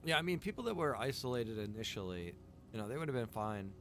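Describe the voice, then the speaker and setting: A man's voice: mid-range voice, lively intonation, fast, a bit bright. A man streaming a video game, chatting casually and thinking aloud in a rambling way. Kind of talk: casual chat while playing a game. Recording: clear background noise.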